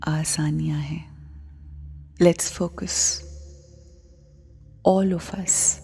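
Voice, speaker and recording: A woman with a South Asian accent guides a meditation in a low-leaning, mellow voice. She speaks softly and with measured care, her phrases fading toward a whisper. Music plays behind her. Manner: measured, hushed, with phrases trailing into breathy near-whisper. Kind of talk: slow, soft Islamic guided meditation. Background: music bed.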